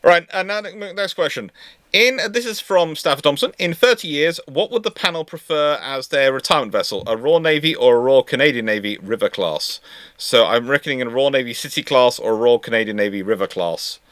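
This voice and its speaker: A man hosting a casual live panel chat, reading out questions in a halting, stammering way that often repeats words. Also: medium pitch, expressive, a bit bright, no echo.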